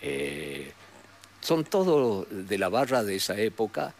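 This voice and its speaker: An older man with a northwestern Argentine accent, telling memories as an interview guest in a rambling, halting way with frequent tag questions. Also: on the low side, big pitch swings. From San Salvador de Jujuy, Argentina. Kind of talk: reminiscing in a conversational interview. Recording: noticeable background noise.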